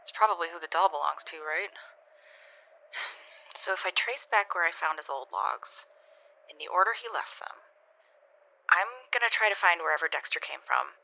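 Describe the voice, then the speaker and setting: A woman playing a shaken, earnest wanderer sending a hesitant, creaky-voiced message through a radio filter in an audio drama. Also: fairly low pitch. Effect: radio or phone filter. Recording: tinny phone-like radio message.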